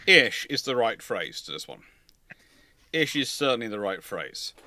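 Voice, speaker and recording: A man hosting a live question-and-answer chat, halting and repeating words as he reads and answers. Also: medium pitch, sing-song, pushed and bright. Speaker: host answering viewer questions. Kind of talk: live Q&A chat on naval history.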